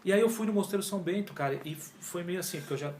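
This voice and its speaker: He speaks very fast in a high voice, with slight background noise behind him. A Brazilian yoga teacher in his 40s, he's the guest in a laid-back interview, vividly telling his story, voicing past conversations himself, and using heavy slang. The echoey room has a faint ambience.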